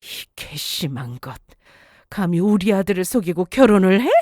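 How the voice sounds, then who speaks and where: A woman's voice: on the low side, expressive, moderate pace, a little mellow, no room sound, clean studio sound, voice pushed down. A woman voicing a harsh older mother-in-law who berates her daughter-in-law with contempt. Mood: scornful.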